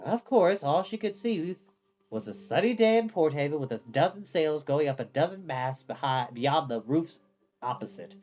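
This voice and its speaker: Animated storybook narrator, slightly dull recording. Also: mid-range voice, moderate pace.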